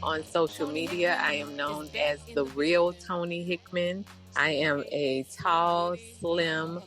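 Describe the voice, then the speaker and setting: Talkative woman. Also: low voice. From born in New York, raised in New Orleans. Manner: warm, talkative, quick bursts of speech. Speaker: guest, rapper. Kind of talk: casual interview over a call. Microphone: remote call.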